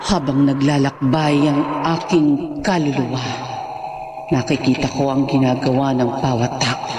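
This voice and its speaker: A woman's voice: very deep voice, level tone, a little slow. A woman playing an arrogant, murderous black-magic sorceress in a radio horror drama, theatrical and haughty. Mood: gloating, menacing. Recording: dramatic music behind the voice.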